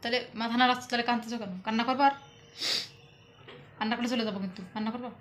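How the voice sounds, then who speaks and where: A woman from Bangladesh films a casual home vlog, coaxing and teasing her husband while talking to her viewers. Her voice is on the high side and steady, she talks fast, and there's slight background noise.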